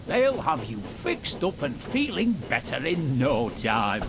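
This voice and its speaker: Guy doing a railway boss in a kids train game, reassuring but firm, animated, noisy recording. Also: medium pitch, takes it slowly, exaggerated voice. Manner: reassuring, authoritative, formal. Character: kindly, authoritative male railway controller, firm but reassuring.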